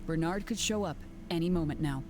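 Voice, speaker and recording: A woman's voice: fairly low pitch, fairly quick, noisy background, close to an everyday voice. A woman voicing a firm, no-nonsense investigator who gives orders and presses a suspect. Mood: determined. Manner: firm, commanding. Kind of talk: game voice acting.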